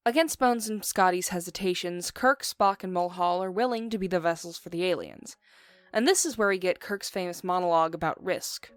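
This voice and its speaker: A woman's voice: medium pitch, dry recording, clean studio sound. Irreverent woman narrating over faint music. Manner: irreverent, casually profane. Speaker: video essay host and reviewer. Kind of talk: scripted narration, comedic episode review.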